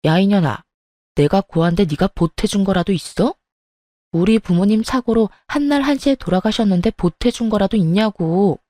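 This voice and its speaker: A woman's voice: normal speed, dark tone, dry recording, studio quality, natural voice. A woman voicing a rude, spiteful young sister-in-law who curses and sneers in a dramatized story reading. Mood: venomous. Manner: shrill, cursing, contemptuous.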